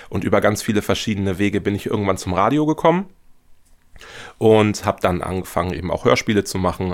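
Man from northern germany, very low voice, relaxed, thoughtful, fillers. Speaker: guest, radio drama maker. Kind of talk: casual interview talk.

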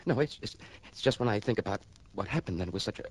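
A nervous stuttery thirties guy in an old radio drama, low-ish voice, talks fast. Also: expressive, poor audio. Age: 30s. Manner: stammering, jittery, repeating words. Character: nervous, twitchy man in his mid-thirties. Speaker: client's brother. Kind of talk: 1960s radio drama acting.

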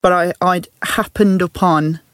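In a steady, fairly low voice that runs a little slow, a Birmingham-accented Midlands woman thoughtfully recounts her career on a podcast. She laughs frequently and speaks candidly and reflectively, captured on a dry recording.

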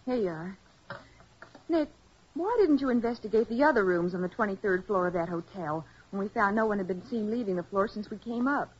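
An actress playing a detective's curious, plucky American assistant in a 1940s radio drama, with an inquisitive, quick-reacting delivery. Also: female voice, medium pitch, animated, husky. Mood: helpful, inquisitive. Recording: dull, muffled vintage radio recording.

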